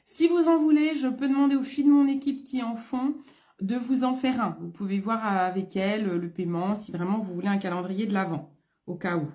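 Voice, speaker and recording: A woman's voice: medium pitch, steady tone, a little fast, dark tone. A French woman hosting a casual live stream as a beauty consultant, chatty and greeting viewers by name, with a throat congested from a coming cold. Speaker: beauty consultant selling online.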